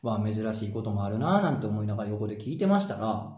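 A man with a Kansai accent hosting a podcast, telling a chatty anecdote in an animated, joking way and chuckling as he goes. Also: fairly low pitch, fast talker. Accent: Kansai Japanese. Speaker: podcast host. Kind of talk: casual storytelling chat. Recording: roomy echo.

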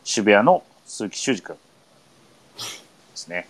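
Man, radio host, casual chat, easygoing, hesitant fillers, slightly low voice. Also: sing-song, slow. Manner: easygoing, leads with many fillers.

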